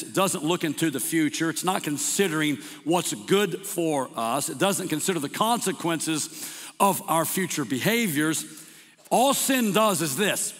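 A man preaching a sermon as pastor, emphatic, repeating words and slowing down to stress scripture. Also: fairly high pitch, a bit bright. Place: church sanctuary. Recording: long hall reverb.

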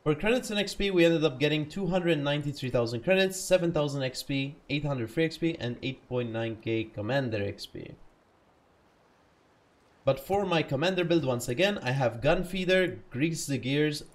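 A man's voice: fairly high pitch, animated, normal speed. A man giving casual live commentary over his own gameplay, chatty and self-correcting, having just woken up. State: just woke up.

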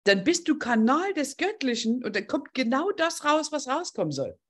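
A woman leads a group coaching session in a gushing, heartfelt manner. Her voice is a little breathy and husky, sitting slightly high, and her pitch leaps about with lively expression. She talks openly to each participant. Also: normal speed. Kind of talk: casual online group coaching.

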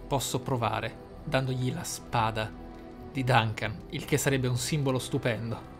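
A man commentating his game playthrough, thinking aloud in a deliberate, theatrical way with dramatic pauses. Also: mid-range voice, fairly even intonation. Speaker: gaming YouTuber, player. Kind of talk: game playthrough commentary with role-play musing. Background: game music.

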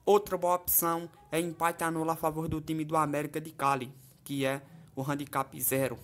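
A man's voice: a little high, level tone, normal speed, fairly bright tone, faint music behind. A man giving football betting tips over a screen recording in a chatty, casual way, often checking in with his listeners. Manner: chatty, keeps asking "tá certo?" and "né?". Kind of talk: casual screen-share commentary. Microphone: voice-over over a phone screen.

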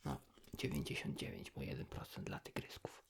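A man whispers softly and intimately, in an unhurried ASMR chat as if to a friend. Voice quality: soft breathy whisper. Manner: hushed, intimate, unhurried, addressing the listener as a friend. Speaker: ASMR creator, host.

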